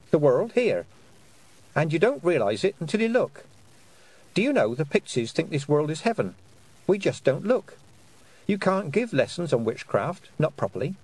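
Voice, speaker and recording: Young farm girl witch, earnest, husky lilt, lively rise and fall, read by a man. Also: on the high side, normal speed, pitched above the performer's own voice, low-quality recording. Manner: earnest, reasoning aloud.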